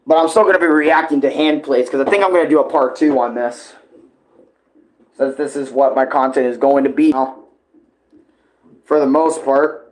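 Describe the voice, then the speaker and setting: A man's voice: mid-range voice, moderate pace, pauses often, crowd noise, low-quality recording. A man doing casual live reaction commentary as a streamer, talking in slang and swearing. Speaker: livestreamer reacting to a comic dub series.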